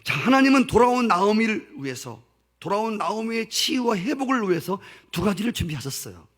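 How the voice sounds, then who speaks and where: Man preaching, husky, high and very lively pitch, dramatic sermon delivery. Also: brisk. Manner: dramatic preaching, acts out quoted voices, swings from loud to hushed. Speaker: pastor.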